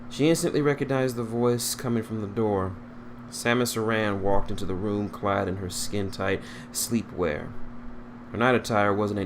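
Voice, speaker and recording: A man's voice: low voice, noisy background. A man reading a story aloud as narrator, now and then stumbling and rereading a phrase. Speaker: fan fiction reader.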